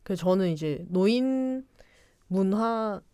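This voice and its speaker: A woman's voice: mid-range voice, animated, slow, mellow, clear, resonant tone, no room sound, studio quality. Rambling, giggly Korean woman with regional accent. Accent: Korean regional dialect. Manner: rambling, giggly, self-deprecating. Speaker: podcast guest. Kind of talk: casual conversational storytelling.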